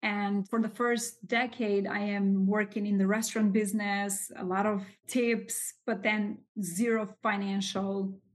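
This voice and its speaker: Lady in her 40s on a podcast, chatty and expressive, telling her story, mid pitch. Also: unhurried, hardly any pauses. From Albania. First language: Albanian. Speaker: guest, real estate capital raiser. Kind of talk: casual interview storytelling.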